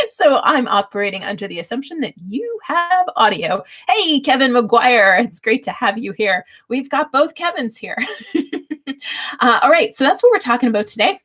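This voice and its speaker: A woman hosting a casual livestream, chatty and informal as she shares advice and quick to laugh. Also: on the high side, very animated, fairly bright tone. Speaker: livestream host.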